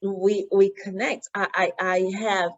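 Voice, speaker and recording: A woman from Cameroon with a Cameroonian accent, her first language Yemba, telling her story as an interview guest in an animated way with frequent restarts. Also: mid-range voice, takes it slowly. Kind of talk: interview conversation. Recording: dull lo-fi sound.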